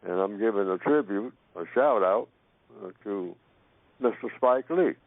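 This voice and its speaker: A man's voice: on the low side, expressive, a little slow, no room sound. A man giving emphatic talk radio commentary as a guest, repeating his points and asking rhetorical questions. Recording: dry phone-line audio.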